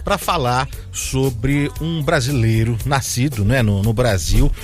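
A male radio presenter talks through a feature in an easy, chatty way, with a mid-pitched voice. He strings his story along with fillers and asides. Soft music plays faintly under the broadcast sound. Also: takes it slowly.

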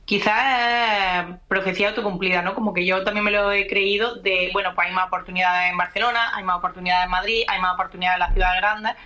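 A young Andalusian woman talks as a radio guest. Her voice is bright and forward, and she muses aloud with plenty of fillers. The delivery is relaxed and conversational. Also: medium pitch, fast, few pauses, dull audio. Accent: Andalusian Spanish. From Andalusia, Spain. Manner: reflective, thinks aloud with fillers. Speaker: guest, screenwriter and podcaster. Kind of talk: casual radio chat.

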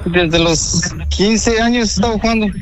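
A man's voice: sits high, moderate pace, music in the background. A man from Guatemala on a radio phone call, giving short, hesitant answers. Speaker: prank call target. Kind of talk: phone interview.

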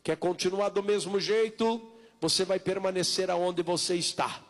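A Brazilian man preaches in a high voice, as a pastor at an altar call. He exhorts insistently, repeating short appeals and stretching out key words in the Portuguese of Brazil. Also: steady tone. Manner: insistent, repetitive exhortation with drawn-out calls. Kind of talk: evangelical sermon, altar call and prayer.

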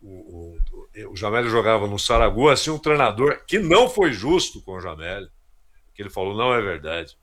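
A man's voice: fairly low pitch, big pitch swings, brisk, fairly bright tone. A man commentating on a radio sports show, telling anecdotes and repeating words as he thinks. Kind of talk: casual radio chat.

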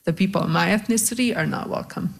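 A woman in her forties from Bosnia speaks as an interview guest. Her voice sits low and has a gravelly edge. She reflects carefully, pausing often and filling gaps with small hesitations. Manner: reflective, hesitant, many fillers. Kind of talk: personal recollection in an interview.

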